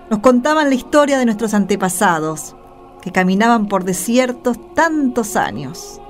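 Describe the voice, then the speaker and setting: A woman acting a reminiscing storyteller, narrating a radio drama reflectively. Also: a little high. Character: reminiscing storyteller who loves trees, follower of Jesus. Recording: clear music under the voice.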